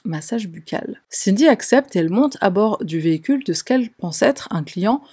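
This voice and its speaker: A woman's voice: mid-range voice, animated, normal speed, mellow, husky. A woman telling a true crime story as narrator, in a conversational way with wry, sarcastic asides.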